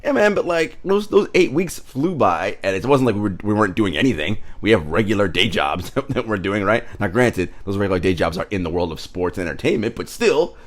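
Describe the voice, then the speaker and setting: A deep-voiced man co-hosting a sports podcast in relaxed, conversational chat. He breaks in often with affirming murmurs and light laughs. It sounds like a remote virtual recording. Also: brisk, few pauses. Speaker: sports podcast co-host and Nets reporter. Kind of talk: casual sports talk.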